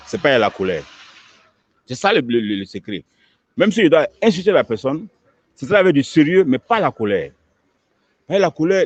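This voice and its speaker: An imam with a medium-pitched voice answers questions in an emphatic preaching style, repeating words as he builds each point. The recording is dry, dull and lo-fi.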